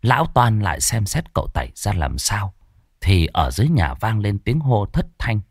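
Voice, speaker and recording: Man, dramatic ghost story narration, low lively voice, dry sound. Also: normal speed, husky, no room sound. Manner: expressive, dramatic.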